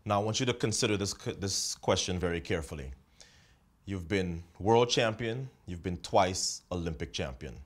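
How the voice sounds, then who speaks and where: A man's voice: low-pitched, lively intonation, moderate pace. A man hosting a sports interview, asking leading questions and setting up topics at length. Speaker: interviewer, host.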